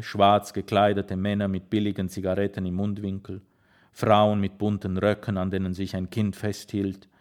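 A man narrating an audiobook in a measured storytelling manner. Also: low voice, a little mellow.

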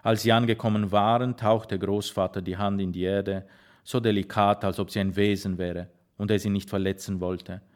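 A man narrating an audiobook in a measured storytelling manner. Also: lowish voice, flat delivery, darkish tone.

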